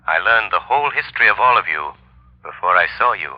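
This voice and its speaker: A man performing the Shadow, an all-knowing detective. He speaks in a low, measured and authoritative voice, as in a 1930s radio play. The sound comes through a muffled old broadcast recording. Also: animated, lightly acted. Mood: calm, assured.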